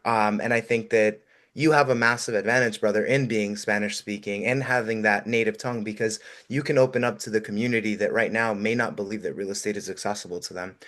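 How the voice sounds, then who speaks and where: A man whose first language is Russian, giving energetic, encouraging advice on a call-in show with many "um"s. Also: fairly low pitch, brisk, hardly any pauses. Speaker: guest investor.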